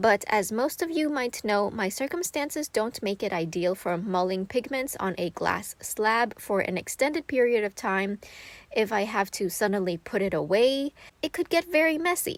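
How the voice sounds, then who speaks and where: On a very clean recording with a silent background and a dry, close sound with no echo, a woman with a Thai accent speaks at a moderate pace and fairly high pitch, with very wide pitch swings. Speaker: watercolor artist and YouTuber. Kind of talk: scripted voiceover tutorial.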